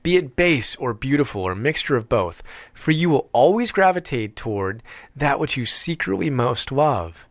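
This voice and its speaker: A man reading an audiobook as scripted narration, with measured, deliberate phrasing and emphatic pauses. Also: medium pitch, big pitch swings, no echo.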